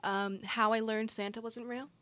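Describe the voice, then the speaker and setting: A young woman with a fairly high voice co-hosts a casual chat. She tells stories animatedly and slips into playful voices to quote people. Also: level tone, normal speed, sharp tone. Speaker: podcast co-host.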